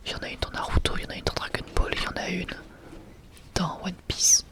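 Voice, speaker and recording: Soft, airy whispering with no voiced tone comes from an ASMR video creator, who moves through the showcase slowly, casually, and tentatively.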